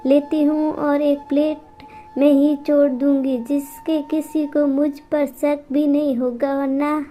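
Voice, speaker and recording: A woman's voice: high-pitched, level tone, takes it slowly, mellow, faint music behind. A woman voicing a scheming, greedy young daughter-in-law who speaks with sweet slyness. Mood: sly.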